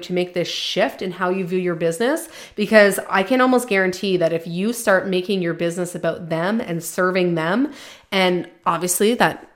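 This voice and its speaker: A young woman coaching her listeners on a solo podcast. She talks bluntly and with lots of energy, dropping casual swears as she gets fired up about her advice. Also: fairly low pitch. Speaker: podcast host, business coach.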